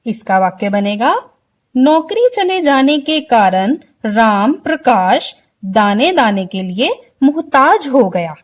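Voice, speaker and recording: A woman teacher giving a slow online vocabulary lesson to children, explaining words one by one and often checking that they understand. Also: on the high side, very animated. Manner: slow, explains word by word, keeps asking if clear. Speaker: school Hindi teacher.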